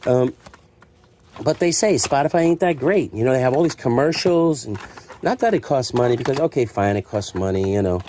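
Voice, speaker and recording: Animated and brisk, a middle-aged secondhand store owner with a medium-pitched, dark-toned voice rambles casually to camera about his stock. He's self-deprecating and acts out imagined remarks, with clear background noise and clicks in the recording.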